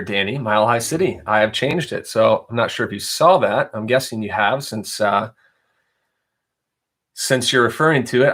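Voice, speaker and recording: A man's voice: medium pitch, fairly bright tone. A young adult man hosting a casual live stream, chatting in a rambling way and reading viewer questions aloud. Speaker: reseller livestream host.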